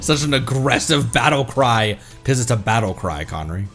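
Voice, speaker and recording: A man giving casual live gameplay commentary as a streamer, with an excitable manner. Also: medium pitch, normal speed, soft background music. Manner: excitable, animated.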